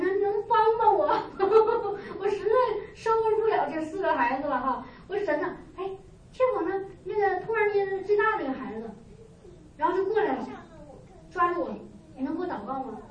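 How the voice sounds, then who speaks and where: A woman relates a church testimony with lively exclamations and imitated sounds. Her voice sits high, and she talks fast. The recording is distant, roomy and a little muffled. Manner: animated, lively storytelling with sound effects and exclamations. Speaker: church member giving testimony. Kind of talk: personal testimony storytelling.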